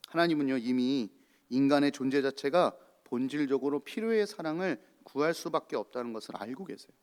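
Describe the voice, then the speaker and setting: A man's voice: medium pitch, expressive, brisk, darkish tone. A male pastor giving a sermon and asking the congregation rhetorical questions. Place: church. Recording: long church reverb.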